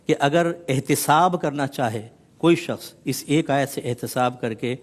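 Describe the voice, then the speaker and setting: This man is a religious scholar laying out his teaching on a television talk show. Measured and deliberate, he builds rhythmic lists of points, his mid-range voice scattered with English words.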